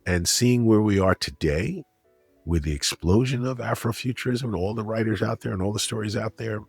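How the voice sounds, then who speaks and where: A man's voice: on the low side, brisk, creaky, darkish tone, breathy edge, dry recording, soft background music. A middle-aged or older man speaking as an interview guest, conversational and anecdotal. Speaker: interview guest, critic and broadcaster.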